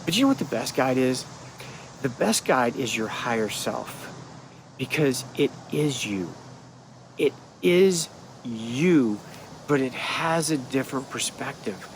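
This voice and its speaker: A middle-aged man with a congested, nasal voice speaks to his camera in a leafy yard, rambling and restarting as he goes. Faint insects and far-off traffic sit softly behind him. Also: medium pitch, takes it slowly. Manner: rambling, animated, restarts often. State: stuffed-up, nasal. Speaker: spiritual healer. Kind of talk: casual vlog monologue. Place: outdoors in a wooded yard. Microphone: phone or camera at arm's length.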